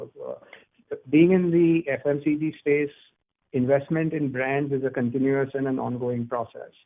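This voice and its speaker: Businessman on a muffled phone line. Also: mid-range voice. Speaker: company executive answering analysts. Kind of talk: earnings call question and answer. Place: conference phone call.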